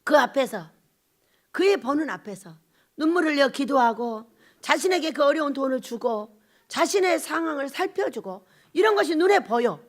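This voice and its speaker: A woman pastor giving an emotional sermon, asking her congregation questions and moving between shouts and hushed whispers. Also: sits high, expressive, normal speed. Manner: asks the congregation rhetorical questions.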